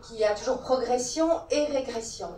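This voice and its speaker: A woman of Italian origin, a panelist at a round-table discussion, speaking forcefully and urgently into a handheld mic. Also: a little high, moderate pace, a little hiss or hum. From Italy. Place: large conference hall. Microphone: handheld mic, filmed from far. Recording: echoey hall from far off.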